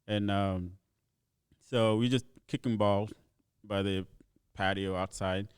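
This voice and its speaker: Laid-back man, low voice. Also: steady tone, slow, clear, resonant tone, no room sound, studio quality. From Ethiopia. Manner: easygoing storyteller, laughs often. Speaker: comedian guest. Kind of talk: casual podcast chat.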